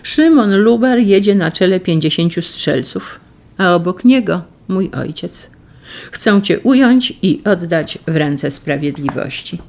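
A reader voicing a devoted young noble woman in an audiobook, urgent and pleading, with a gravelly edge. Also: fairly low pitch, animated, a little slow, a little mellow. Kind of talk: audiobook reading.

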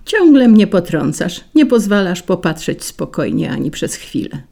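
A woman's voice: fairly low pitch, sing-song, moderate pace, vocal fry, dark tone, exaggerated voice. A woman reading a storybook, voicing a touchy, grumpy male carnation who talks irritably. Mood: irritated.

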